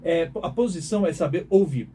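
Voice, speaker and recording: A man's voice: a little high, fairly quick, warm tone, slight background noise. Emphatic man lecturing. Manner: emphatic, questioning, repeats himself. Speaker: communication teacher. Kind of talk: lecture to an online audience.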